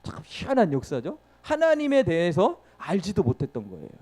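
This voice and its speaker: A man's voice: sits high, huge pitch swings, brisk, a little mellow. A man preaching a sermon, asking the congregation questions and answering them himself, acting out the story with sound words and laughing often.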